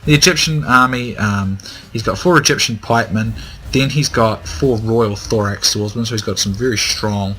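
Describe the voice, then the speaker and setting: Man, young adult, lowish pitch, bright tone, hesitant game commentary, slightly hoarse. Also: normal speed, slight background noise, rough recording. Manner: hesitant, many ums and restarts. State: slightly hoarse, dry throat, coughing. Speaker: gaming commentator. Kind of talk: casual gameplay commentary.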